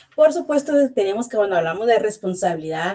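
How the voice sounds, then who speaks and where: A woman with a fairly high pitch and a dark, mellow tone speaks with lively intonation. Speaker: law lecturer. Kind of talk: lecture.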